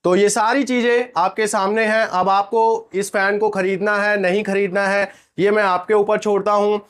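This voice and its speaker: Male reviewer-host, high and smooth voice, sore throat, chatty hands-on walkthrough. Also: level tone, moderate pace, fairly bright tone. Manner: chatty, talks viewers through a live test. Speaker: product reviewer, channel host. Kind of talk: casual product review vlog.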